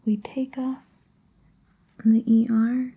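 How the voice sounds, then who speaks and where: Slow breathy whispering woman. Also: on the high side, little pitch movement, muffled recording. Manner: slow, patient explaining. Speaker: Spanish tutor. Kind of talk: whispered ASMR lesson.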